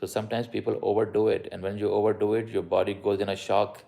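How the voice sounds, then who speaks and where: Low, creaky-voiced South Asian man talking fast. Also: flat delivery, warm tone. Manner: mixes Urdu-Hindi and English mid-sentence. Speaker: doctor answering live viewer questions. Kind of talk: casual live-stream chat.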